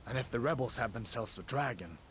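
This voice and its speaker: An actor playing an earnest, persuasive soldier in scripted fantasy game dialogue. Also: male voice, mid-range voice, lively intonation, a little fast, fairly bright tone, a little hiss or hum, lightly acted. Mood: earnest, reassuring. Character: urgent, earnest male imperial soldier.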